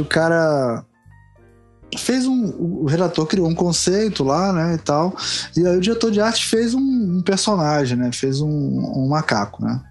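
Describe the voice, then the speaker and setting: A man chatting casually and telling an anecdote, acting out the quoted people, laughing often and swearing freely. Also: a little high. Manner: animated storyteller, acts out quotes, laughs often, profanity. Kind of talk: casual podcast chat, anecdote.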